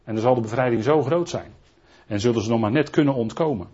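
Male preacher, husky, rambling Bible-study delivery full of restarts, muffled low-fidelity recording. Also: quick pace, warm tone. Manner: rambling, frequent tag questions and restarts. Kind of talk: Bible teaching sermon. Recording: dull lo-fi recording.

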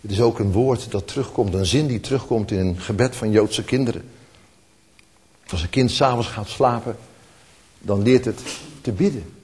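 Male preacher, husky voice, mid pitch, church hall echo, intense build-ups. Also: normal speed, pauses often. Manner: swings between hushed tenderness and rising, emphatic calls. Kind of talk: sermon. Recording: long hall reverb.

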